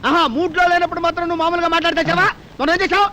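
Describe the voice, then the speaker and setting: An actor playing a hot-tempered young husband who threatens and shouts in a Telugu film drama. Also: male voice, very high voice, fairly even intonation, very fast, slight background noise. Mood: exasperated. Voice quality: fiery, threatening.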